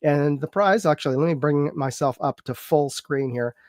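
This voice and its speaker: A man's voice: on the high side, normal speed, darkish tone, dry recording, studio quality. A man hosting a live chat show, talking casually and rambling a bit, congested from a cold. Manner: rambling, filler-heavy, chatty with viewers.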